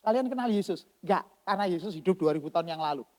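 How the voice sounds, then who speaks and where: A man preaching a sermon as pastor, swinging between loud emphasis and soft asides. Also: high voice, lively intonation, rapid-fire. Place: church hall. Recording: long church-hall reverb.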